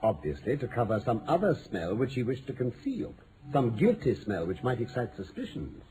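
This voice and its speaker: A self-assured British detective in an old radio mystery. His mellow voice moves freely up and down as he lays out his reasoning with theatrical precision. The old broadcast recording carries some noise. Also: medium pitch, huge pitch swings, normal speed, poor audio. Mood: lecturing. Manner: theatrical, articulate, lecturing. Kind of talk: 1940s-50s radio mystery acting.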